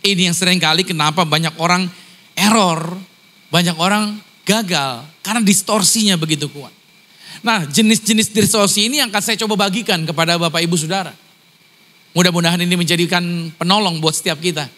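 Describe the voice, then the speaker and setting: A man from Ambon preaching a sermon, animated and joking, acting out voices of other people. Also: a little fast. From Ambon, Indonesia. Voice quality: naturally high-pitched voice. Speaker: pastor.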